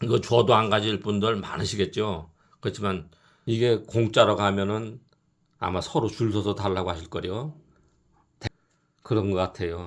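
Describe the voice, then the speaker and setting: On a very clean recording with a silent background, a man speaks at a moderate pace and fairly low pitch, with ordinary variation and long, frequent pauses. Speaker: orchid seller. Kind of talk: sales pitch. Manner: wistful, self-deprecating.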